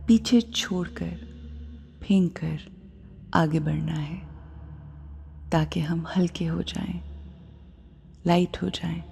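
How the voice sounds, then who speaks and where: A woman with a South Asian accent leads a guided meditation in a hushed, soothing, breathy voice, leaving long pauses. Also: on the low side. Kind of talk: slow guided meditation narration. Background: faint music.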